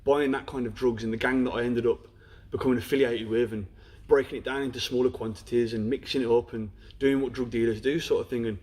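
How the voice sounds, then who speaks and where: Fast-talking Black Country man. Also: medium pitch, steady tone, darkish tone. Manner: frank, storytelling, peppered with "you know". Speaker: interview guest. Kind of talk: candid personal story in a podcast interview.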